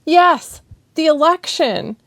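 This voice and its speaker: A tearful young woman, put on by a female reader who breaks into high, breathless pleas between sniffles. The voice stays dry and close, with a gravelly edge underneath. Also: animated, takes it slowly, a little mellow, no echo, heavily acted. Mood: upset pleading. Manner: high, pleading, breathless outbursts. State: crying, sniffling. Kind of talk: audiobook character voice.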